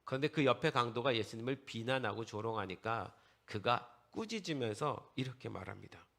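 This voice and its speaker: A man's voice: medium pitch, animated, moderate pace, gravelly, a bit bright. A male pastor preaching a sermon, often asking the congregation questions and answering them himself, and moving between casual and polite speech.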